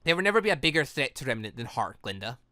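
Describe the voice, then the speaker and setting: A gaming host with a bright, forceful voice that swings up and down a lot. The delivery is rambling and theatrical, full of exclamations, and the sound is close and dry. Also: mid-range voice, sing-song, quick pace, no echo. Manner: rambling, self-confessed ranter. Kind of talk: excitable let's play commentary with read-aloud dialogue.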